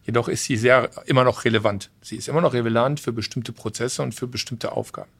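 A man's voice: medium pitch, fairly even intonation, fast talker, fairly bright tone, husky. A man, a logistics company guest in a trade fair podcast interview, explaining processes in a businesslike way with restarts.

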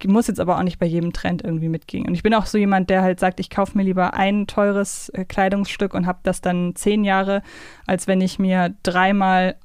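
A woman's voice: medium pitch, flat delivery, brisk, a little mellow, clear, resonant tone, no room sound, clean studio sound. A woman hosting a podcast in a casual, conversational chat style. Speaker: podcast host. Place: close, dry podcast recording.

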